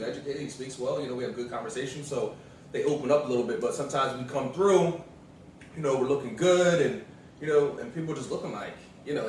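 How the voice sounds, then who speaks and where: A man chats casually beside his partner and tells stories in a loose, rambling way with plenty of fillers. His voice sits at an ordinary middle pitch. He is some way from the mic in a very echoey room with faint noise behind him. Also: recorded from a distance. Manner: relaxed, rambling, many fillers. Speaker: vlogger's partner. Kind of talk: casual storytelling chat.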